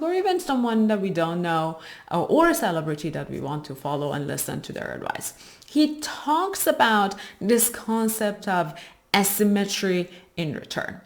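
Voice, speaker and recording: A woman hosting an explainer video, presenting in a didactic way and stressing key words. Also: mid-range voice. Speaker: host of an investing video channel.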